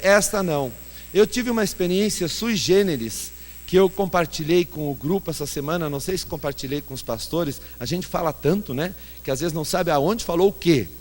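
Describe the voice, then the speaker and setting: A male pastor with a high-pitched voice preaches at normal speed, telling self-mocking stories as an animated storyteller. The sermon with anecdotes is recorded in a church hall with long reverb.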